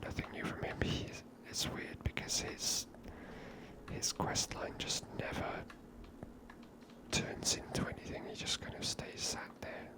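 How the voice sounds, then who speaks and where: Whispering woman doing ASMR game commentary. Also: unhurried. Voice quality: breathy unvoiced whisper. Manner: casual, unscripted, chatty. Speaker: ASMR gaming host.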